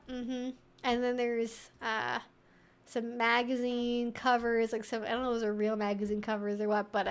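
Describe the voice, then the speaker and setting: A woman's voice: a little high, a bit bright. A woman hosting a casual livestream, chatting to viewers in a playful, wry, mock-serious way and often giggling as she talks. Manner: giggles often while talking. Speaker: livestream host.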